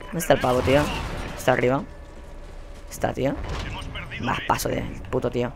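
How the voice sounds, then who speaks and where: A young man with a Spain Spanish accent giving live gameplay commentary. He rants in a profane, exasperated way and often bursts into yelling. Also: medium pitch, flat delivery, fairly quick. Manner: profane, exasperated ranting with sudden yelled outbursts. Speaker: gaming channel host.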